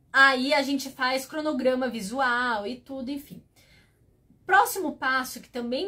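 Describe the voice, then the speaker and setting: A woman talks in a raised, projected voice at a high pitch. Her tone is bright and sharp, and her pace is fairly slow. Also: big swings in loudness. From Brazil, carioca parents, not from São Paulo. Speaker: behavior analysis educator. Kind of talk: live stream lecture.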